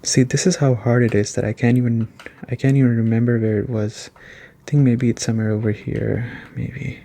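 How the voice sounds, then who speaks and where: A man giving a casual, soft-spoken ASMR video game review in a conversational way. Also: medium pitch, little pitch movement, brisk, gravelly.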